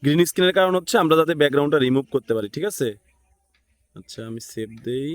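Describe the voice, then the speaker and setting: A man's voice: a little high, animated, racing. A man with a Bangladeshi accent teaching an informal step-by-step screen tutorial, thinking aloud and checking in with listeners. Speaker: tutorial instructor.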